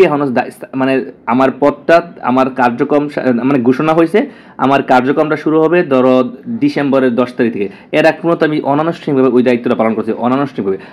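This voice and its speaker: Fast-talking male tutor. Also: medium pitch, darkish tone. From Bangladesh. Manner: rapid, repeats key words, checks in with "clear?". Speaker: teacher. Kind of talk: exam-prep lesson.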